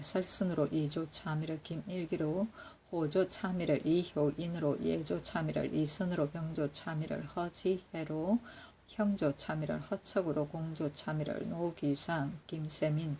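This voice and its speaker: Woman, low register, steady archival reading with faint noise behind; measured recitation, catches her own slips. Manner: steady, measured recitation with occasional self-corrections. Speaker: reader of historical records. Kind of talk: reading court annals aloud.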